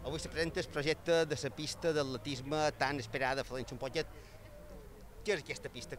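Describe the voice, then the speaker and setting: A man with a normal speaking voice, fairly high pitch, fairly even intonation, and a fairly quick pace, in a dry sound with no echo and light background noise. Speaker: local TV interviewer. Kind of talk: news interview. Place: street.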